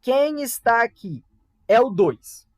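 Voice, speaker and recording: A man's voice: very high-pitched, very animated, slow, no echo. A young man with a Brazilian Portuguese accent teaching a casual online chemistry class, chatty and full of tag questions and playful asides. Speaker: volunteer chemistry tutor.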